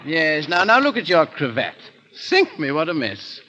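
A silly fop of a lord, drawling and stammering, his voice leaping up and down in a lively sing-song. It sounds like a dull, lo-fi old radio broadcast of a 1930s play. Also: a little high, normal speed, a little hiss or hum, full character voice. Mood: foppish, silly. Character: foppish, dithering English aristocrat husband. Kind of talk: 1930s radio drama acting.

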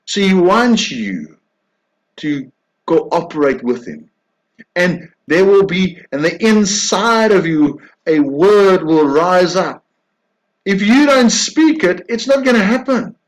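A man preaching a sermon, emphatic, swinging between loud insistence and soft hushed tones. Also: sits high, expressive, slow pace, poor audio.

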